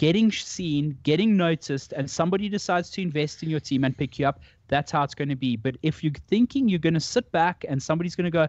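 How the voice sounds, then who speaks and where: Speech comes at a very fast pace in a South African accent. The pitch varies in an ordinary way. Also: man, fairly high pitch for a man, hardly any pauses. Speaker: esports commentator. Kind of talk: podcast discussion. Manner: animated.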